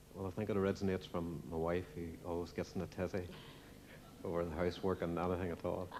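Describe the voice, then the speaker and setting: The speaker has a Northern Irish accent and talks at a very fast pace. The intonation is monotone and flat. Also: man, very deep, low pitch for a man. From Northern Ireland, County Down. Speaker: songwriter. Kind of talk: live TV interview.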